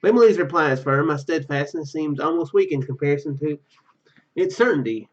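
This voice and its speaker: Higher-voiced man doing a muffled let's play. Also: expressive, brisk. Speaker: gaming video host. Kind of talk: let's play commentary, reading game text aloud.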